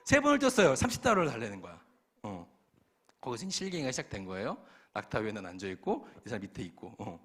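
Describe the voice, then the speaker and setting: A young male pastor tells a story in a youth sermon with a voice that leaps all over its range. He rushes through his lines and puts on voices for the people in his tale. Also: mid-range voice, slightly rough. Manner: animated storyteller acting out voices, with laughs. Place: church hall.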